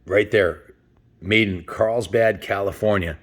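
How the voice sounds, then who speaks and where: A man with a fairly low-pitched voice hosts a casual story time. He is folksy and enthusiastic, talking directly to his audience whether chatting or reading aloud. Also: measured pace, fairly bright tone. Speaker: host of a story time show.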